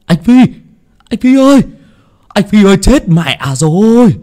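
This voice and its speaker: A man voicing a jittery young village man who stammers and shouts urgently. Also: sits high, very animated, normal speed, husky, voice pushed up, exaggerated voice. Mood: alarmed.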